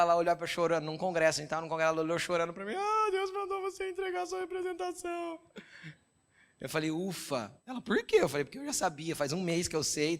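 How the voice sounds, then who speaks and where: A middle-aged Brazilian pastor preaching a sermon, telling personal stories and often checking that listeners follow. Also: male voice, fairly high pitch, fairly bright tone. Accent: Brazilian Portuguese. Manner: conversational preaching with frequent "entendeu?" check-ins; storytelling, quoting God and his wife in dialogue.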